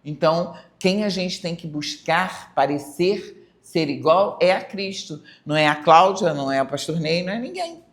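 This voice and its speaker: A woman's voice: low voice, moderate pace. A woman with a Brazilian Portuguese accent teaching a church Bible study, emphatic and often adding rhetorical tag questions.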